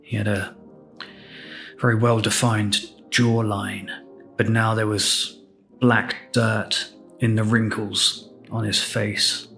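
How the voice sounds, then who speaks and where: A man with an English accent hosting a podcast, telling a personal story in a reflective, candid, unhurried way. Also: on the low side, flat delivery, gravelly, sharp tone, soft background music. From England. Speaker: podcast host.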